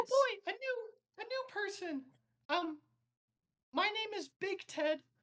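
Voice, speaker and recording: The put-on character voice sits at an extremely high pitch and has a cheerful tone. The pace is fairly slow, with long, frequent pauses. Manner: cheerful, friendly.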